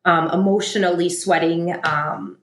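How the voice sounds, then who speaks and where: A woman's voice: on the low side, steady tone, measured pace. A middle-aged woman, the guest and founder of an apparel brand, speaking earnestly and motivationally in a casual interview, with frequent fillers. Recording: roomy echo.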